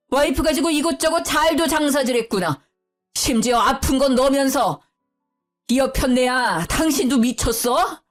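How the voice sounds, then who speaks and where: A woman voicing an elderly father-in-law who speaks low and gently when soothing and bellows when scolding. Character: stern elderly father-in-law, calm then furious.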